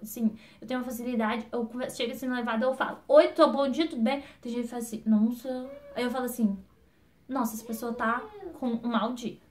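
A woman's voice: on the high side, fairly even intonation, darkish tone. A woman vlogging casually to camera, rambling and jumping between topics as she talks to her viewers. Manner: chatty, quick-talking, addresses viewers directly.

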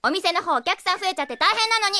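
Very high, bossy little child boss. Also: female voice, expressive, sharp tone, full character voice. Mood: stern. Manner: brisk, polite scolding. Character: small, bossy child tavern manager, strict but polite. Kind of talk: anime-style radio drama acting.

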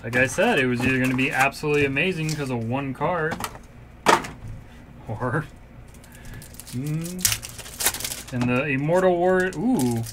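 A man hosting a card break speaks in an unhurried, offhand way, calling out names and serial numbers. His voice sits a little high for a man. A faint hum of room noise runs under his talk. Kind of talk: casual live card-break commentary. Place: indoor card shop room.

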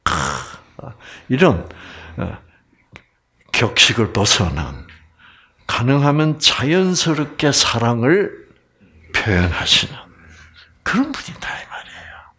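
Gyeongsang guy teaching bible class, voice swoops all over, slow deliberate delivery. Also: mid-range voice, breathy edge. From Gyeongsang Province, Korea. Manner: animated, keeps quizzing the audience. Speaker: Bible lecturer. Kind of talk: lively Bible lecture to an audience.

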